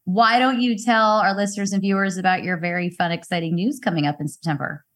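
A woman's voice: mid-range voice, fairly even intonation, quick pace, a bit bright. A woman hosting a sports podcast, chatting casually and playfully with a guest, laughing and teasing often. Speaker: podcast host. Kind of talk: casual chat.

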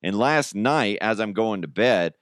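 A man's voice: on the low side, lively intonation, measured pace, dry recording. Casual American man hosting a podcast, dry sound. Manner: informal, slangy, conversational; chuckles through his own remarks. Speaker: podcast host. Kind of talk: casual solo comedy podcast chat.

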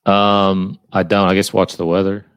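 A man's voice: low voice, little pitch movement, normal speed, clear, resonant tone, no echo. A man co-hosting a casual sports podcast, giving brief, dry replies. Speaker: podcast co-host.

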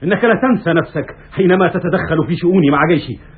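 An actor playing a proud, hot-tempered Roman general, seething with anger and threatening, in classical Arabic radio theatre style. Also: male voice, sits high, expressive, very fast. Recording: muffled, raspy, phone-like old radio recording.

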